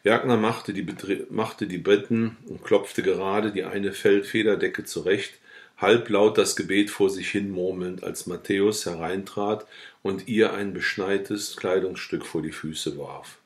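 A deep-voiced man reads a novel aloud in an easygoing, unpolished way. He chats between passages and stumbles and corrects himself now and then. His voice sits low and steady. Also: a little slow. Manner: chatty, joking asides, occasional self-corrections. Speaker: audiobook reader. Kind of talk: casual reading of a novel.

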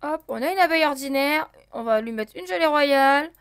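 A woman hosting a let's play chats casually about her gameplay, thinking aloud with lots of fillers, talking to viewers and counting and checking items out loud. Her voice sits high and fairly quick, recorded dry at studio quality.

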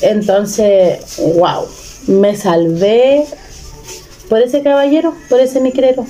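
Chilean woman telling a story, mellow. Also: on the high side, slow pace. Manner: animated, emotional retelling with many restarts. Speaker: vlogger. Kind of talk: casual storytelling.

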